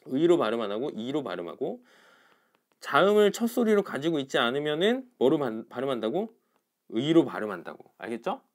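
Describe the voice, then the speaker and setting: Male teacher, online class lecture, lively rising and falling voice, checks in with students, step-by-step explanations. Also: a little high. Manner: explains step by step, asks "알겠죠?" and "그쵸?" after each point. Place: indoors, recording alone for an online class.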